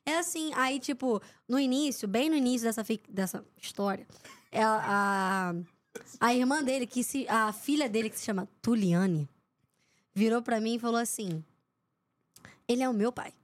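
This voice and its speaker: A young female sports reporter, guesting on a podcast, speaks at a moderate pace in a fairly high voice. Telling her anecdotes with liveliness, she acts out the lines of the people she mentions.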